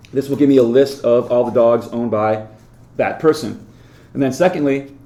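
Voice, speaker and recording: Fairly quick and fairly even in intonation, a man speaks in an ordinary speaking voice. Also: medium pitch for a man. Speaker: webinar presenter on API design. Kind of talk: webinar presentation. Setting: online webinar.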